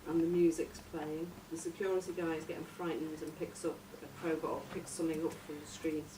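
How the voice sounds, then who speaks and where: A woman informally pitching a story outline in a tentative, halting way, searching for her words. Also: level tone. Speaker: workshop participant presenting a radio drama outline. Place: echoey room, recorded from a distance. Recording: roomy, distant mic, noisy background.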